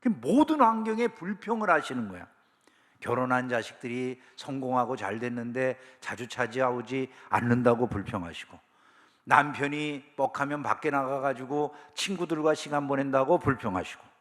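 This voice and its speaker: A man's voice: mid-range voice, moderate pace, fairly bright tone, in a large hall. A man preaching a sermon as a pastor, in a conversational style with frequent rhetorical questions to the congregation. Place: church sanctuary.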